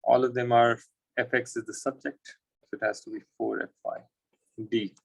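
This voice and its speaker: South Asian man tutoring, with a creaky voice. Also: mid-range voice, little pitch movement, moderate pace, dry recording. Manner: informal, thinking aloud in short phrases. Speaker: physics tutor. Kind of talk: working through exam questions aloud.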